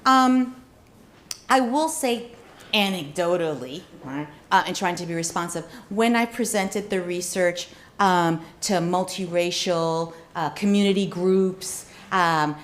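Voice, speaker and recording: A woman professor answering questions after an academic talk in an analytical, measured manner. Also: lowish voice, slight background noise. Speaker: law professor giving a book talk and taking questions.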